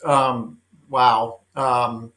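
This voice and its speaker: A man's voice: medium pitch, level tone, extremely slow, fairly bright tone. A man hosting an interview over a video call, reading a guest introduction and then chatting in an eager, affirming way with many ums and uhs. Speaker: talk show host. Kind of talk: interview, opening with a read introduction.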